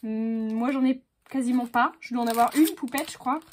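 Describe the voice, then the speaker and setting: A crafting vlogger unboxes craft stamps and chats casually to herself while sorting them, hesitant and full of filler words. Her voice is slightly high and darkish, with fairly even intonation and a moderate pace. There's a little background noise.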